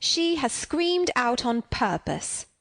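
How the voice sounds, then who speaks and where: A woman's voice: fairly high pitch, big pitch swings, unhurried. Woman doing a sniffy, scornful maid. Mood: disgusted. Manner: sniffy, disgusted. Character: scornful disapproving lady's maid.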